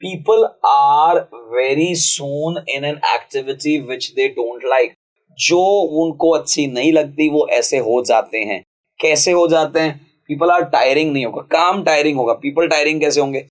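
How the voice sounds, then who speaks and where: Chatty male grammar teacher, slightly high. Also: rough recording. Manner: casual, chatty, calls viewers friends and brother; reads English sentences out slowly, then explains quickly. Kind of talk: exam-prep lesson in Hindi and English.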